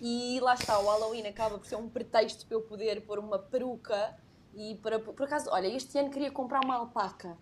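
A woman's voice: on the high side, fairly even intonation, fast talker, a little hiss or hum. A woman with a European Portuguese accent, chatting casually and playfully in a group.

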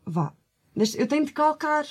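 Higher-voiced Portuguese woman, casual and slangy. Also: very animated, normal speed. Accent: European Portuguese. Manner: informal, slangy. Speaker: podcast co-host. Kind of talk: casual chat.

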